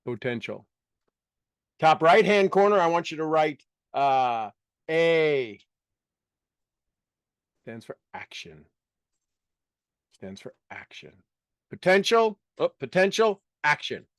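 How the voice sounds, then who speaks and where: Man, fairly high voice, dry close sound, running a live self-improvement seminar; punchy and repetitive, with offhand jokes. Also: very animated, takes it slowly, long pauses, clear, resonant tone, no room sound. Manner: emphatic, repeats key words, casual asides. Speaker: motivational workshop speaker. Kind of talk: live seminar teaching to an audience.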